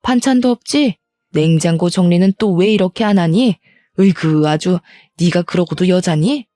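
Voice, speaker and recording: A woman's voice: lowish voice, moderate pace, dark tone, no echo, clean studio sound, lightly acted. A woman voicing a nagging, scornful older mother-in-law who scolds sharply and talks down to her daughter-in-law. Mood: scolding. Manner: scolding, contemptuous.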